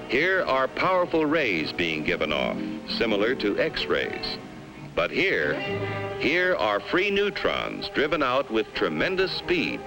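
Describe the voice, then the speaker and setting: 1950s film narrator, animated American man, music behind. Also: on the low side, rough recording. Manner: emphatic, dramatic, with rhetorical questions and pauses.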